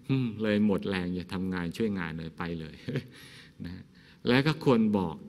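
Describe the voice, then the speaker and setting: A Buddhist monk from Thailand speaks in a lowish, easy voice, giving a conversational dhamma talk. He asks his listeners rhetorical questions and laughs softly now and then. A long reverb trails behind his words. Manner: frequent soft laughs.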